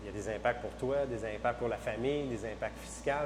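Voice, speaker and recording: A man in a Quebec accent at a fairly quick pace, with audible room echo and noticeable background noise. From Quebec, Beauce. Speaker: business owner. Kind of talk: interview.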